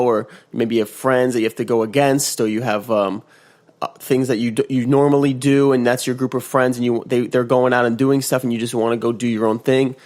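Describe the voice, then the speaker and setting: A man hosting a casual motivational podcast, just woken up and congested, rambling with restarts and acting out quotes in a higher voice. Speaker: podcast host. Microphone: podcast mic.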